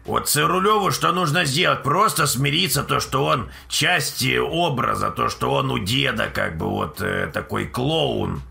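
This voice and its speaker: A man's voice: mid-range voice, lively intonation, a little slow, vocal fry, few pauses, pushed and bright. A man hosting a live stream, chatting bluntly and profanely to his viewers in a rambling way.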